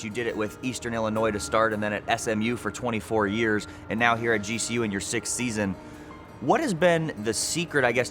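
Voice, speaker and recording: A young man hosting a sit-down sports interview, asking prepared questions. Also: on the low side.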